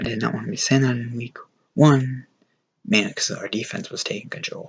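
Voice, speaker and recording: A quiet voice with an American accent runs at a very fast pace. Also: man. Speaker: sports fan vlogger. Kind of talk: casual vlog. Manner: excited.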